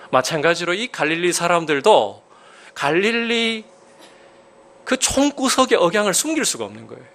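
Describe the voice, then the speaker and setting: A man preaching a sermon as a pastor, emphatic, with sudden rises in pitch and loudness and questions put to the congregation.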